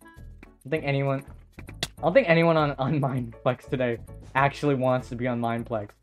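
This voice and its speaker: A man doing casual Minecraft gaming commentary, excitable, swearing often and stammering through restarts. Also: medium pitch, fairly quick, soft background music. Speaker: Minecraft YouTuber.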